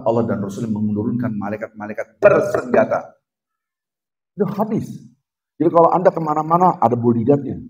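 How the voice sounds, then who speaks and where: A middle-aged male preacher delivers a lively mosque lecture. He jumps from sharp high exclamations to quiet low asides, and his pitch sits mid-range for a man. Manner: animated, swings from loud exclamations to low mutters.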